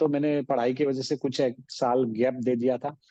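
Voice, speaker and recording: A man's voice with a dark, mellow tone. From Assam, northeast India. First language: Assamese (speaking Hindi). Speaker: actor. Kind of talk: interview. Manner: hesitant, with fillers.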